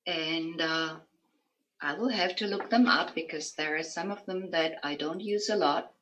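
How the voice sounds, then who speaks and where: German woman with a slight American lilt, low voice, unhurried delivery, video call. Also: a bit bright, a little hiss or hum. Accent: German with some American. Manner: slow, careful, spells things out. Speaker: energy-work teacher. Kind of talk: guiding an online session.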